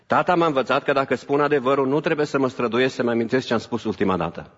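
A man preaches to his congregation, climbing to emphatic peaks and then dropping to quiet asides, with English phrases slipped in. His voice carries through a reverberant church hall. The recording is dull and muffled, with a lo-fi quality. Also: mid-range voice. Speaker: pastor. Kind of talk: sermon.

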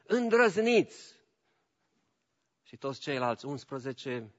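A man preaching with a high, bright, ringing voice. He rises to loud, emphatic calls and then drops to soft, low asides. The sound is dull and carries a long church-hall reverb. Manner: mixes in English phrases. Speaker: pastor. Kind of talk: sermon.

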